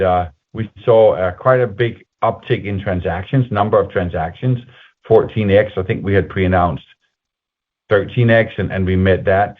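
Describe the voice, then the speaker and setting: A man presenting company results on a conference call in a halting, conversational, explanatory way, as an executive speaking to investors. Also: fairly low pitch. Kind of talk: semi-scripted earnings call presentation. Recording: muffled phone-like conference call line.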